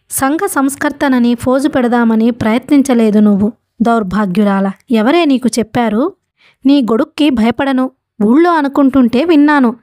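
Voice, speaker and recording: A woman's voice: high-pitched, darkish tone, no echo, clean studio sound, natural voice. A woman voicing a bold young dancer who teases in a brash, mocking way.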